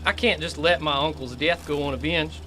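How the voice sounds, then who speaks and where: A man's voice: on the high side, brisk, bright, forceful tone, a little hiss or hum. A man acting an earnest, plain-spoken country monster hunter in an audio drama, with a Southern American accent. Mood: earnest, determined. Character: earnest rural monster hunter avenging his uncle.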